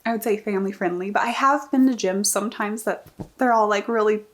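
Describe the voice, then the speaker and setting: A young woman with a medium-pitched voice vlogs casually at a brisk clip. She's chatty and self-deprecating, frequently laughing at herself.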